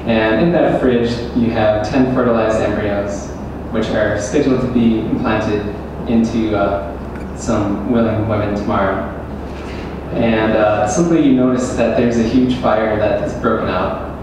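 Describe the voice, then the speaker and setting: A man's voice: on the low side, fairly even intonation. Young guy cross-examining, lots of uhs, far-off echoey room, noisy background. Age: young adult. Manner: measured, leading questions with hesitant fillers. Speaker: student debater. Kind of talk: formal debate, cross-examination. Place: large echoey university hall. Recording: echoey hall, distant mic, background noise.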